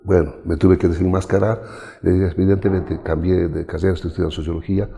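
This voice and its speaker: A middle-aged Bolivian man, a guest in an interview, telling his life story in an animated way and acting out the people he quotes. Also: sits low, fast talker, creaky, highs cut off, a little hiss or hum. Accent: Bolivian Spanish. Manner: animated, acts out quoted voices. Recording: long reverb.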